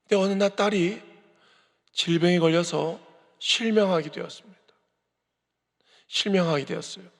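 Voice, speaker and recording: High, gravelly-voiced preacher in a reverberant church. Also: male voice, normal speed, long pauses. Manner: emphatic preaching that builds to raised, forceful declarations. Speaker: pastor. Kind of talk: sermon at an early-morning church service.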